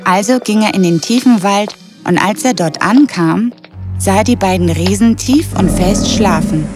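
A woman's voice: mid-range voice, moderate pace. A woman storyteller reading a scripted children's fairy tale. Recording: clear music behind the voice.

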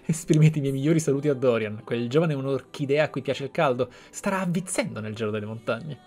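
A man's voice: medium pitch, quick pace, darkish tone, faint music behind, close to an everyday voice. A man voicing an eloquent, defiant noble mage from a fantasy game in a florid, formal manner. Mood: defiant, flamboyant. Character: eloquent, theatrical, defiant Tevinter magister noble.

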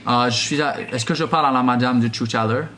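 A young man with a Quebec French accent, talking casually and haltingly as a prank caller. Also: medium pitch, a bit bright, soft background music. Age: young adult. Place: small room indoors.

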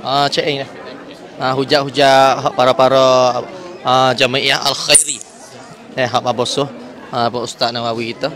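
A man with a southern Thai Malay accent talks as a live vlogger in a casual, repetitive way. His pitch is average for a man. Clear crowd chatter from a busy airport hall surrounds his voice. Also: flat delivery, moderate pace, long pauses, fairly bright tone. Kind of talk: casual live commentary with devotional phrases. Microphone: handheld phone.

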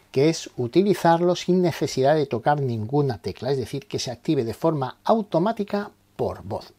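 Husky Spanish tutorial man, lively intonation. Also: fairly high pitch. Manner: didactic, explains terms and poses questions then answers them. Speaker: presenter of a how-to tutorial. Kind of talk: step-by-step instructional narration.

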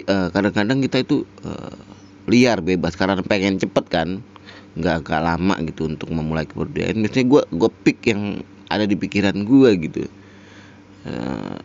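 A man's voice: deep voice, a little mellow, highs cut off. A man hosting a casual reaction commentary, rambling with many fillers and frequent chuckles. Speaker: reaction video host.

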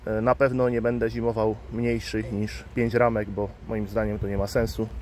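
A man's voice: on the low side, flat delivery, normal speed, a little mellow, slight background noise. A man, a beekeeper, casually explaining his work at the hives as he films, thinking aloud with fillers. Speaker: beekeeper and channel host. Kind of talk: casual hands-on explainer vlog. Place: outdoors at beehives. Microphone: handheld phone camera. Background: faint outdoor ambience with buzzing bees.

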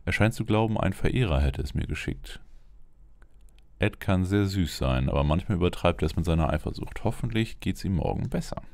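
A man's voice: low-pitched, lively intonation, a little fast, vocal fry, darkish tone, dry recording. A man voicing a worried wife and mother in an earnest reading of her diary. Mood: content.

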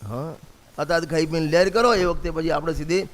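Male preacher, sermon delivery, rhetorical and repetitive, slightly high voice, long hall reverb. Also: steady tone, a little fast. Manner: repeats a refrain, poses rhetorical questions to listeners.

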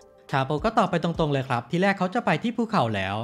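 A man's voice: sits high, very animated, fast talker, a bit bright, soft background music. A man narrating a TV series recap in a chatty, casual storytelling way, with polite sentence endings.

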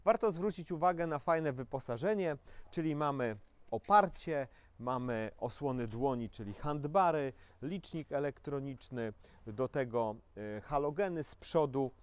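A young man presenting a quad bike for a dealership, reading out its specifications in a steady, matter-of-fact way and inviting viewers to subscribe. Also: fairly high pitch, measured pace, clear, resonant tone, no room sound. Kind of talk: product presentation.

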